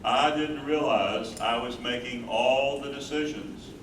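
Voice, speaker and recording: A man's voice: medium pitch, a little slow, natural voice. A man playing a tender, devoted older husband caring for his wife in a staged reading of a play. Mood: regretful, earnest. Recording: roomy distant stage mic, loud noise.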